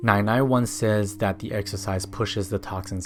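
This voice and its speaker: A man speaks with a Mandarin accent at a moderate pace. His pitch is fairly low. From China. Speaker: film reviewer. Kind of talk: video essay narration.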